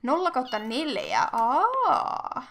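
A young woman hosting casual game commentary, chatty and excitable, thinking aloud and squealing at cute animals. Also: high-pitched, crowd noise. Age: young adult. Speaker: gaming channel host.

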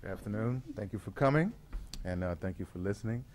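A man giving an informal public address as a theater director, speaking haltingly with thoughtful pauses. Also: on the low side, lively intonation, a little mellow, slight background noise. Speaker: radio theater artistic director, guest facilitator.

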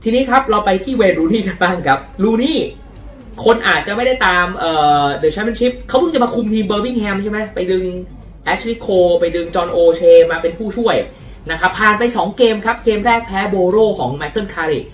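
A man hosting a casual football news vlog, chatty and lively in his storytelling. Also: high-pitched, fairly quick, reverberant, far from the mic. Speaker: football channel host.

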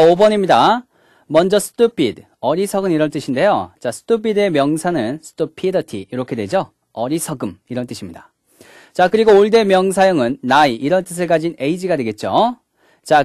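A man with a fairly high, darkish voice delivers a recorded English grammar lecture in a dry, clean studio. He works through each point step by step, starting every one with a short "자" and mixing English words into his explanation.

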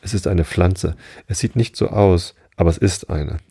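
A polite, puzzled young girl who is getting irritated, voiced by a man in his own deep, mellow voice. The tone has a gravelly edge. The delivery is quiet and storybook-like. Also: moderate pace, no room sound, studio quality. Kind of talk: storybook reading.

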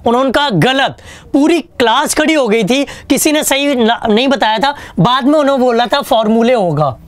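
A man's voice: extremely high pitch, lively intonation, brisk, no room sound. A man teaching an online exam-prep English lesson, chatty and joking, asking questions and answering them himself. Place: online class studio with a whiteboard.

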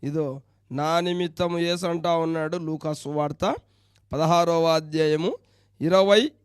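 A man's voice: on the high side, unhurried, clean tone, dry recording, clean studio sound. A man preaching a sermon as pastor, pressing his listeners with pointed questions.

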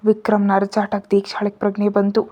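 A woman's voice: monotone, fairly quick. A woman narrating a romance story in a scripted storytelling style, acting out the characters' lines herself. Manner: acts out both lovers' lines, louder and higher in quarrels.

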